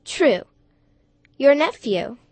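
A woman voicing a gentle, solemn ghostly spirit who speaks in a measured way. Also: sits high, very animated, voice pushed up, full character voice. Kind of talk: storybook reading.

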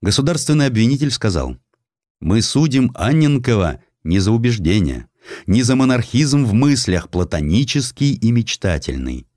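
This audiobook of a historical essay is narrated by a man with a low, slightly mellow voice. He delivers it in a measured, grave way, like serious dramatic storytelling. The recording is dry, with very little room and no echo.

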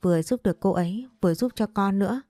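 A woman's voice: mid-range voice, fast talker, mellow, dry recording, clean studio sound, close to an everyday voice. A woman voicing an earnest young man of twenty-seven who is haunted by a ghost, in a spoken ghost story.

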